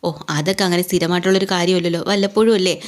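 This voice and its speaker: A woman's voice: lowish voice, fairly even intonation, rapid-fire, lightly acted. A woman voicing a patient older man who gives advice in a retold TV serial. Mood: advising.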